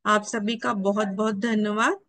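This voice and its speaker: A woman's voice: medium pitch, fairly even intonation, normal speed, fairly bright tone. A woman earnestly instructing teachers and childcare workers in a formal training address. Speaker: education official addressing teachers.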